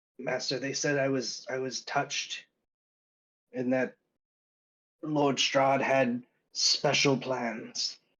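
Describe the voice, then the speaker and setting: A raspy, put-on character voice at a very slow pace, with long, frequent pauses. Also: man, medium pitch for a man. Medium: actual play.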